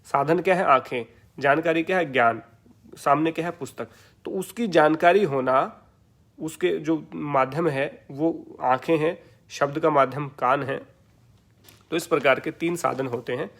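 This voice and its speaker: A man's voice: a little high, unhurried, fairly bright tone. Hindi-speaking man giving a yoga lecture. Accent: Indian. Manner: asks questions and answers them himself, repeats key terms. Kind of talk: explanatory lecture.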